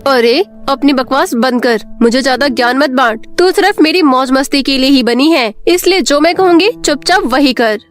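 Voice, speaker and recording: A woman's voice: high voice, normal speed, few pauses, faint music behind, close to an everyday voice. A woman voicing a greedy, selfish younger sister in a Hindi cartoon fairy tale. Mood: rude, dismissive. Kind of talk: Hindi cartoon story voice acting.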